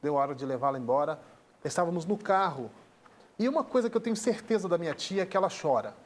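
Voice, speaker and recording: Earnest high-voiced Brazilian man. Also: animated, quick pace. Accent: Brazilian Portuguese. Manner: earnest, acts out dialogue in the retelling. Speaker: guest. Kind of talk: emotional personal storytelling.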